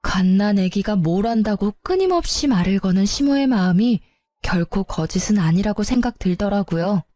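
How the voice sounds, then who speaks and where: A woman's voice: mid-range voice, lively intonation, normal speed, warm tone, no room sound. A woman narrating a first-person story in a confiding, resentful manner.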